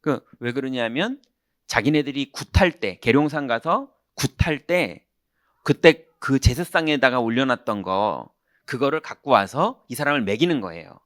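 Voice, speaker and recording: Lively Korean pastor telling a story. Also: male voice, mid-range voice, no room sound, clean studio sound. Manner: animated, acts out quoted voices, shouts punchlines. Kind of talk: sermon with storytelling. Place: church sanctuary.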